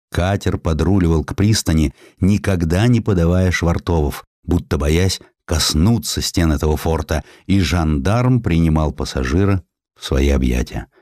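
A man with a deep voice narrates literary prose in a dramatic audiobook style. His delivery is deliberate, with measured pauses. The recording is close and dry, as in a studio. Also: darkish tone, no echo.

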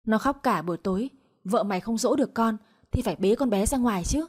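A woman's voice: fairly high pitch, fairly quick, darkish tone, close to an everyday voice. A woman voicing a cruel older mother-in-law who scolds with harsh contempt. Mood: furious.

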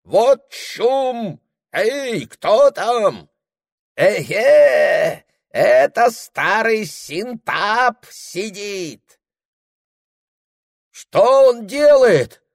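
A frenzied old shaman howls and chants in a trance, his voice pushed high and drawn out. Gravelly and hoarse, the cries swing wildly up and down, in a dry, close sound. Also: very animated, very slow, no echo, heavily acted. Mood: visionary.

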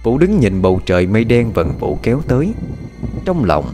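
A man narrating a dramatic story in an expressive, measured voice. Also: mid-range voice. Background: faint background music.

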